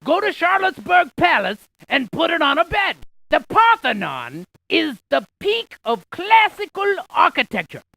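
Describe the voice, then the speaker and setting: Casting: chatty trivia-loving game scientist, very lively intonation, bright gravelly edge, folksy delivery. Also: very high voice, measured pace, dry recording, exaggerated voice, poor audio. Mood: chatty, eager. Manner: animated, folksy, quippy asides. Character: chatty scientist sharing landmark trivia with a player. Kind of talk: scripted educational video game character dialogue.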